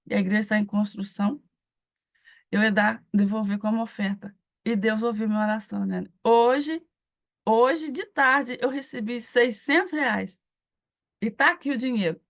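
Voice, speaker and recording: A middle-aged woman with a Brazilian Portuguese accent, preaching a testimony and acting out the dialogue in an animated storytelling manner. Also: a little high, normal speed, creaky. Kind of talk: testimony sermon.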